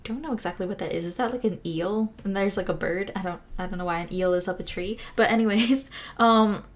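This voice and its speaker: A woman talks her viewers through a tarot spread in a loose, chatty way, full of fillers and restarts. Her voice is a little hoarse, since she has been losing it over the past few days. Her pitch sits in a middle range for a woman. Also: a little fast. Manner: rambling, many fillers and restarts. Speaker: tarot reader. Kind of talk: casual pick-a-card tarot reading.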